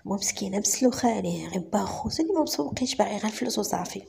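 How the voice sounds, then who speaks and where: Gossiping maids trade rumors in rapid Moroccan Arabic, conspiratorial and sly. A woman storyteller puts them on without much change to her voice. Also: mid-range voice, lively intonation, creaky, a little mellow, slight background noise. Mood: gossipy. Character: gossiping female house maids.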